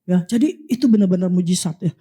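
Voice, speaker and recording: A woman with an Indonesian accent preaching an animated sermon, telling testimonies and prophesying over the congregation. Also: on the low side, quick pace, breathy edge. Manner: animated, repeatedly addressing the congregation.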